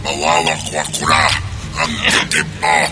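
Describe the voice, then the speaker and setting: An actor playing a menacing shapeshifting monster in the form of a giant black dog, declaiming in a horror radio drama. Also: male voice, very deep voice, little pitch movement, a little slow, heavy background noise. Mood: gloating, savage. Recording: loud dramatic music under the voice.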